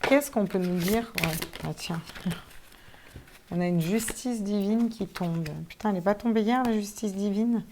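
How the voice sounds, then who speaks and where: A woman gives viewers a casual tarot reading, chatty and thinking out loud, with some casual swearing. Her voice is medium-pitched at a normal speed, with background noise behind her.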